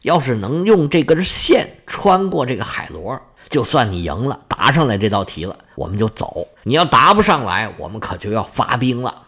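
A man playing a sly menacing messenger, storybook tale, smug snickering threats, lively pitch. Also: moderate pace, hardly any pauses, husky, full character voice. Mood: threatening. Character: sly threatening royal envoy.

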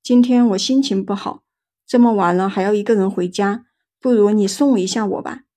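A woman's voice: mid-range voice, moderate pace, natural voice. A woman doing a coaxing ghost girl in white.

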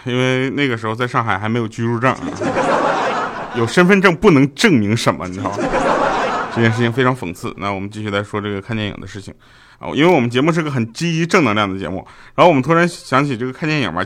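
A man from China, hosting a comedy show in a joking monologue and acting out the quoted lines. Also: mid-range voice. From Heilongjiang, China. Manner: lively storytelling, acts out quoted lines.

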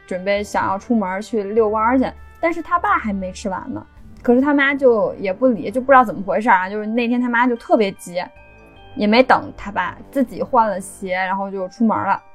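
A woman hosting a podcast, telling a story in a chatty, casual way. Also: on the high side. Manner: chatty, with frequent erhua endings. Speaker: podcast host.

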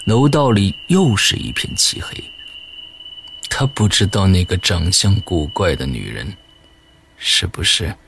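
A man reading a horror story as the narrator, slow and suspenseful, with dramatic pauses. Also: on the low side, creaky, a bit bright, slight background noise.

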